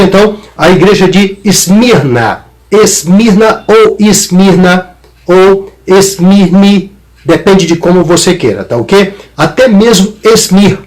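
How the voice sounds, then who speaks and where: A man, a pastor giving a conversational Bible teaching and often checking in with his listeners. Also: on the high side.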